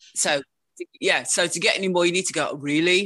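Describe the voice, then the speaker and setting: Talking at a very fast pace, a woman has a bright, sharp tone. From English Midlands, Wolverhampton. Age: 60s. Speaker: author, teacher. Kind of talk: interview.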